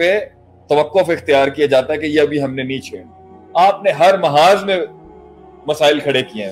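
Faint music plays in the background. The voice has ordinary pitch variation. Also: man. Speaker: Islamic scholar. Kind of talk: religious lecture speech. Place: studio. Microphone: studio mic.

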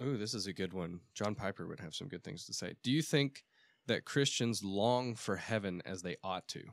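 Recorded very cleanly with a silent background and a dry, close sound with no echo, a man with a Southern US accent talks at a moderate pace in a fairly low pitch with ordinary pitch variation. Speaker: podcast co-host. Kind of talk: casual chat. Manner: jokey.

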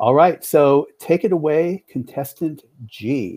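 In a quiet background, a man with a dark, mellow tone speaks at a very slow pace with ordinary pitch variation. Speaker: competition announcer. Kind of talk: formal announcement. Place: home room. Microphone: earbuds.

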